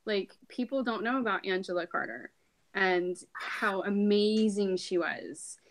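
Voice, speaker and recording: A woman's voice: mid-range voice, unhurried. A woman speaking earnestly and emphatically in a casual podcast discussion.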